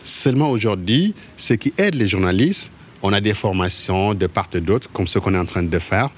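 A man from Mauritania, a journalist answering interview questions in a halting way, often repeating words as he searches for them. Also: fairly low pitch, expressive, a little hiss or hum. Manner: halting, with frequent word repetitions.

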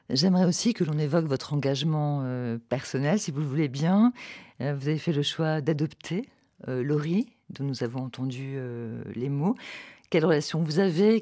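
Hesitant radio host, dry studio sound. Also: female voice, low-pitched, a little mellow, dry recording. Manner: hesitant, many fillers. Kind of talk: radio interview questions.

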